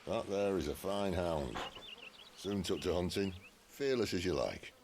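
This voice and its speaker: Gravelly, low-voiced British outlaw. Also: male voice, expressive, noisy background. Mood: easygoing. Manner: wry, folksy, unhurried banter. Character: roguish, wry, worldly male outlaw, middle-aged. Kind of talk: cinematic video game acting.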